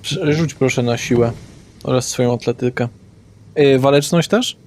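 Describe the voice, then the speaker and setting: Brief: male game master narrating a vampire tabletop session, mid-pitched, unhurried and hesitant. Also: darkish tone.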